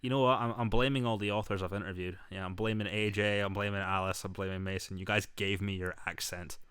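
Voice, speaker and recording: Man from Scotland, podcast host, smooth, dry close sound, casual and sweary. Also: fairly low pitch, steady tone, quick pace, a bit bright, dry recording. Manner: loose, sweary, self-mocking. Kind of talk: casual interview chat.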